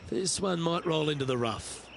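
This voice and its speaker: A man playing a composed television golf commentator in a video game, making measured, brief remarks between shots. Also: on the high side, animated, vocal fry, heavy background noise.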